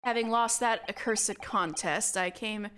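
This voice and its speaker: A woman acts out a young man from a video game, wounded in his pride, in a lowered voice. The delivery is formal, theatrical and self-pitying, with faint music behind. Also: a little slow, a bit bright, clear, resonant tone, close to an everyday voice. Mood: aggrieved. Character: Japanese young man, proud, melodramatic, humiliated orator. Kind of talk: reading game dialogue in character.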